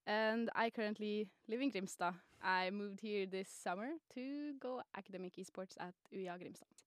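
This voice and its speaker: A woman's voice: medium pitch, moderate pace, clear, resonant tone, no room sound, studio quality. A twenty-year-old woman from Norway, a student guest on a podcast, chatty and prone to restarting words. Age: 20s. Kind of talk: casual podcast interview.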